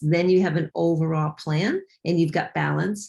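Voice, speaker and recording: Somewhat breathy and fairly low in pitch, a woman talks at a fairly quick pace with fairly even intonation. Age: 60s. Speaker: fitness coach. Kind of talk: interview.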